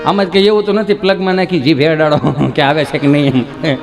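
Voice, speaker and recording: High-voiced comedian. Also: male voice, fast, music in the background. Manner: chatty, village-style storytelling, acts out voices. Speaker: stand-up comedian. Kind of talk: Gujarati folk stand-up storytelling. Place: live show before an audience.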